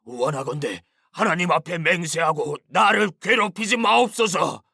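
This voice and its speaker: A man's voice: a little high, moderate pace, creaky, pushed and bright, slightly rough, dry recording, clean studio sound, exaggerated voice. A man voicing a tormented male demon who begs and pleads, in a dramatized scripture reading. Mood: pleading. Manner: pleading, begging.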